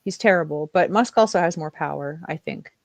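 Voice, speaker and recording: A woman's voice: deep voice, fairly quick, no room sound. A woman co-hosting a casual chat, blunt and sardonic, who laughs easily. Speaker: co-host.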